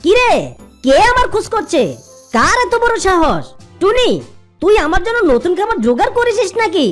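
An extremely high, highly animated goat from a children's cartoon acted by a woman. The goat is clever, sure of itself and emphatic, over background music. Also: normal speed. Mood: boastful, menacing. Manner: confident, emphatic, theatrical. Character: clever, helpful goat who bluffs as jungle king.

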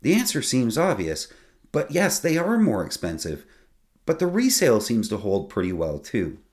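Speaking at a medium pitch and normal speed, a man in his forties hosts a sailing channel from a small home studio. He talks to camera about boat technicalities in a lively, casual, conversational way, explaining the technical detail plainly.

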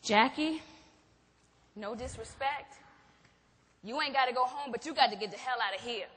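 A woman's voice: a little high, normal speed, a bit bright, natural voice. A woman acting in a stage play as an anxious, defensive wife who insistently brushes questions off. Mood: impatient. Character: Gloria, defensive anxious wife covering for her husband. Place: theatre stage. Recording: echoey theatre hall.

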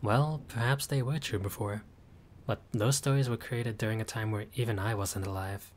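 A friendly young vampire, performed by a man, chats with his guest in a playful, showy way. His voice sits slightly low and relaxed. It is a scripted audio roleplay. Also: normal speed, a little hiss or hum. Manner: warm, chatty, playful.

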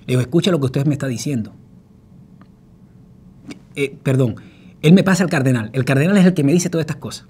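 A man's voice: medium pitch, brisk, long pauses, darkish tone, husky. A middle-aged man with a Cuban Spanish accent, giving earnest personal testimony and acting out other people's words. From Cuba. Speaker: former political prisoner recounting his story.

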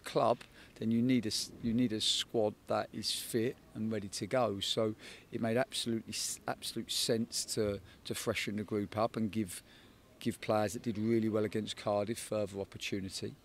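A man in his forties, a football head coach, giving a measured post-match interview outdoors at a night stadium, often repeating words as he thinks. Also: fairly low pitch, flat delivery, a little hiss or hum. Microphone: handheld interviewer microphone.

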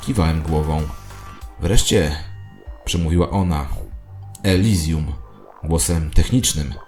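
A man's voice: a bass voice, slow pace, a little mellow. A man narrating a scripted first-person audio drama in a literary, confessional storytelling manner. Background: music.

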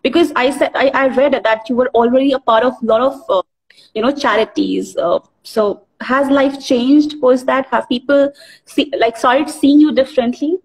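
A woman's voice: sits high, moderate pace, rough recording. A woman hosting an interview over a video call, asking questions with hesitant "uh" fillers. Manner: brief affirmations, hesitant "uh" fillers. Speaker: interview host. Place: indoors.

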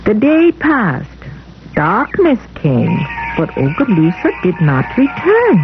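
A woman playing a mother who tells her children an old folktale in measured, deliberate storytelling, on a muffled old film soundtrack. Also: medium pitch, huge pitch swings, heavily acted. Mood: solemn storytelling. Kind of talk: scripted folktale narration. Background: music.

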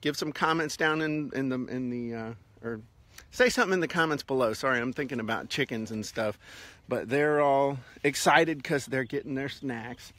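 A man's voice: medium pitch, normal speed, a bit bright, dry recording. A man in his fifties giving blunt, plain-spoken advice in a casual vlog, recorded outdoors on a phone held at arm's length. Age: 50s. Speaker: vlog host, online marketing advisor. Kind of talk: casual talk to camera while doing chores. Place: outdoors in a rural backyard by sheds.

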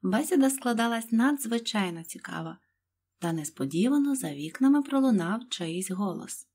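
A woman reading a children's fairy tale aloud, her voice husky and breathy. Calm, soft, even storytelling that carries the scene along. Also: medium pitch, normal speed. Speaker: narrator. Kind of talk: audiobook narration of a fairy tale.

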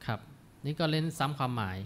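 A man's voice: mid-range voice, a bit bright. Thai man reciting and explaining old verse. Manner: recites verse slowly, then explains words with polite particles. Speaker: academic panelist.

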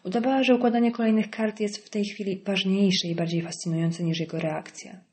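A woman narrating an audiobook in a calm, even storytelling manner. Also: mid-range voice, brisk.

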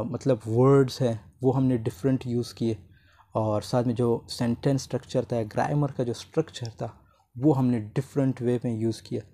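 A man with a very dark, mellow voice gives a recorded lesson over slides. He reads the English text slowly, word by word, then switches to a quicker, looser explanation. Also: medium pitch. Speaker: teacher. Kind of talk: explaining from slides, reading lines aloud.

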